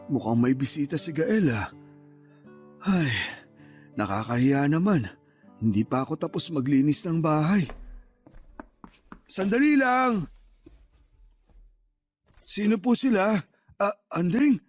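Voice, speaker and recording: A man playing a remorseful middle-aged father just out of prison, soft-spoken and apologetic, in a radio drama. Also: on the high side, animated, slow pace, pauses often, faint music behind. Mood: flustered. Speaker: father character. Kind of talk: Tagalog radio drama acting.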